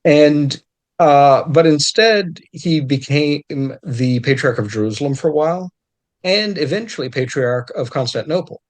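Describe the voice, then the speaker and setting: A man's voice: fairly high pitch, expressive, moderate pace. A man speaking as a historian guest, explaining in detail in a conversational, scholarly way and often restarting his phrases.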